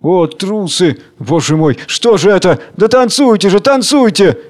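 A man's voice: moderate pace, darkish tone, lightly acted. A man putting on a defiant young woman in black. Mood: desperate. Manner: shrill, commanding, tearful outbursts.

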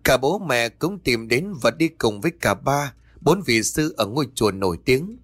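A man calmly narrating a ghost story in a steady, measured way. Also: medium pitch, dry recording. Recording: dry voice over faint music.

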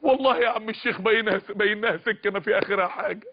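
A man's voice: high voice, rapid-fire, lo-fi sound. A man with an Egyptian accent telling a sermon story with dramatic narration. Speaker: preacher.

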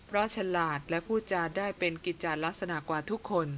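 A woman narrates an adventure novel in a fairly low, even voice, keeping a steady and measured storytelling pace. A faint hiss sits under the recording. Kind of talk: audiobook reading of an adventure novel.

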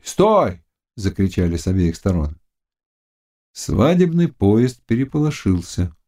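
Expressive male audiobook narrator. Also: medium pitch. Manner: expressive, dramatic reading. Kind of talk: scripted narration of a classic novel.

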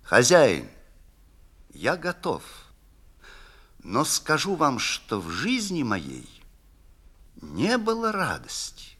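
A man's voice: medium pitch, huge pitch swings, slow pace, long pauses, pushed and bright, husky, pitched above the performer's own voice, full character voice. A man voicing a proud, bitter, distrustful violinist who speaks haughtily and curtly. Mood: resigned. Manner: haughty, curt.

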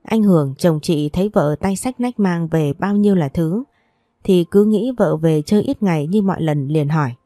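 A woman narrates a story in a steady, even reading voice. Her tone sits low and mellow, and the close recording sounds dry with no room around it. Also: moderate pace, no echo.

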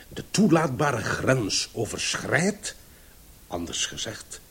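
An actor in a Dutch radio play voicing a pedantic, husky scientist who lectures didactically and emphatically. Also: male voice, fairly low pitch, heavily acted. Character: pedantic male scientist expounding absurd theories.

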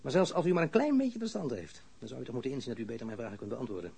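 An actor playing a stern, sarcastic police interrogator in an audio crime drama, probing formally and relentlessly. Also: male voice, mid-range voice, very animated, very fast, gravelly, mellow, husky, full character voice.

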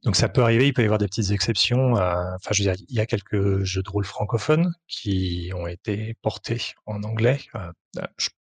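A man's voice: on the low side, brisk, breathy edge, no echo. A man answering interview questions about his tabletop game work, hesitant, with frequent fillers and restarts. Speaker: tabletop RPG author, translator and publisher.

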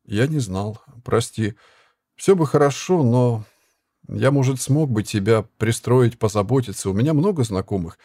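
A man doing a gruff wandering herbalist. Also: mid-range voice, expressive, normal speed, mellow, no room sound, studio quality. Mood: stern.

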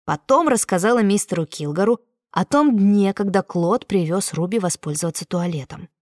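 Female audiobook narrator, first-person storytelling, mid-range pitch, dry close studio sound. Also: expressive, normal speed, darkish tone, no echo.

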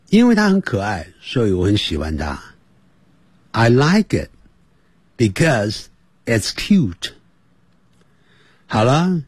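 Husky, lively-voiced male radio teacher. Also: mid-range voice, no echo, clean studio sound. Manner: patient, repeats words for drilling. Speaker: English teacher. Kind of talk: radio English lesson.

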